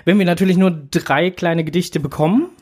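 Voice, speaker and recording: A man's voice: high voice, normal speed, a little mellow, husky. A man hosting a casual podcast, rambling with fillers and restarts. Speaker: podcast host.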